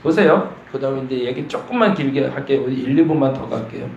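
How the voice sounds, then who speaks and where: A man's voice: mid-range voice, quick pace, creaky, darkish tone, highs cut off, a little hiss or hum. A man preaching a morning prayer sermon as pastor, often acting out complaining prayers in a raised voice. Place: church sanctuary. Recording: echoey church room, faint ambience.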